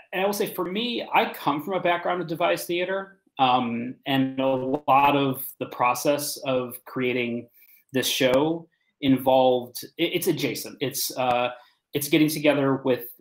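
Echoey video call, guy with average pitch talking off the cuff, lots of hesitating. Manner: halting, frequent hesitations and self-repairs. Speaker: panelist, podcast writer. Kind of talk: unscripted panel answer. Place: room at home, indoors.

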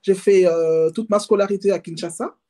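A woman with a Congolese accent speaks as a guest in a casual interview. Her voice is soft-edged and mellow. She explains her background informally, pausing to find words and correcting herself. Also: medium pitch, steady tone. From Democratic Republic of the Congo. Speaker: interview guest, handbag maker. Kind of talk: casual autobiographical interview talk.

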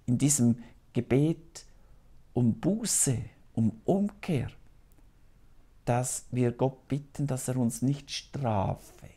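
A man's voice: mid-range voice, drawn-out words, warm tone, breathy edge. A man in his fifties, a priest, preaching solemnly and earnestly to camera in a small TV studio on a lapel mic. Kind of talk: televised sermon.

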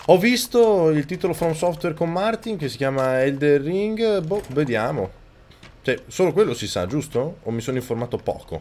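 A man streaming a video game live, talking close to his microphone, yelling and swearing at the game and thanking viewers. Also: fairly high pitch, very animated, measured pace. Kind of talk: live gameplay commentary. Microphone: microphone very close to the mouth.

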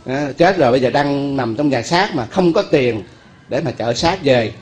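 A man's voice: mid-range voice, animated, darkish tone, lightly acted. A man voicing a tearful begging mother. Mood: pleading. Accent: Southern Vietnamese. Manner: tearful, halting pleading. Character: distraught young mother begging a monk for money.

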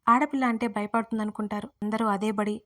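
A woman's voice: medium pitch, fairly even intonation, brisk, a bit bright, close to an everyday voice. Woman voicing a pleading pampered young woman. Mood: sulky. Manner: pleading, whiny.

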